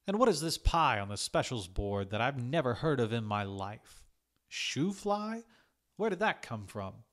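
A man's voice: mid-range voice, big pitch swings, a little slow, a bit bright. A man voicing a rude, territorial male head chef in a story, theatrical and commanding. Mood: scornful, loud.

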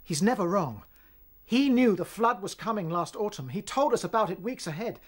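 An actor playing a polite, loyal young rabbit in a radio drama, earnest and protective. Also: male voice, high voice, expressive, moderate pace, breathy edge. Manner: courteous, earnest.

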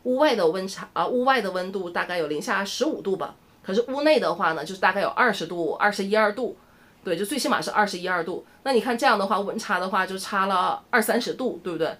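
Fast-talking Northeastern Mandarin woman vlogger. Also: mid-range voice. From Shenyang, northeast China. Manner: chatty, animated storytelling with lots of "哈" tags. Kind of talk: casual chat to camera.

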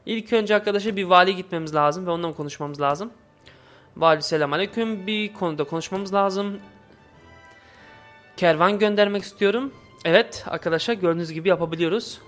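A man with a slightly high voice hosts a casual gaming video. His Turkish is imperfect and halting, with word forms that come out muddled, as he comments on his play. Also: a bit bright, faint music behind. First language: not Turkish, speaks imperfect Turkish.

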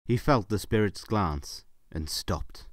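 A man's voice: fairly low pitch, animated, slow, no room sound, studio quality. A man narrating a scripted story for an audio drama.

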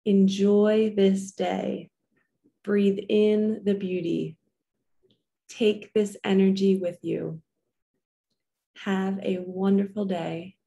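A woman in her thirties with a mid-pitched voice and slow pace. She speaks soothingly and deliberately, like a spiritual host leading guided affirmations. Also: gravelly, dark tone. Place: small furnished room indoors.

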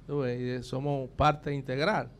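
A Dominican man in his sixties sits on an outdoor morning TV panel at a street set with murals, speaking proudly and emphatically into a handheld mic. His voice is medium-pitched and level, his pace measured, and his accent Dominican Spanish.

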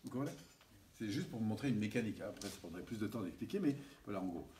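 A man giving a seminar lecture, animated and checking in with his audience often. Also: on the low side, rapid-fire. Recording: distant mic with faint hiss.

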